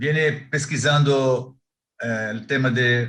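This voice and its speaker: A man with a Spanish accent, medium in pitch, at a very slow pace with fairly even intonation. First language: Spanish (speaking Portuguese). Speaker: event moderator. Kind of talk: speaker introduction.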